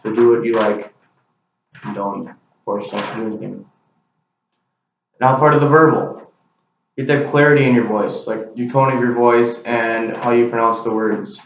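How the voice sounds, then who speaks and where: A man's voice: medium pitch, fairly even intonation, normal speed, long pauses, a little hiss or hum. A young man giving a class speech to a camera, with an earnest, plain delivery. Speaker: student. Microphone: camera mic. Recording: very echoey, distant, dull camera recording.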